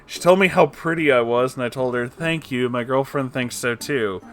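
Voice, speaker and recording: A man hosting a story-reading channel, reading online posts aloud and adding animated, casual, joking asides. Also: medium pitch, moderate pace, faint music behind. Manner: animated, jokey, informal asides.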